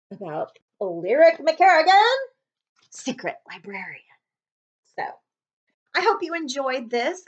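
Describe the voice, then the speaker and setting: A woman, reading a storybook aloud to children with expressive, dramatic delivery. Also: high-pitched. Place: living room, on a couch. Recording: slightly dull webcam audio.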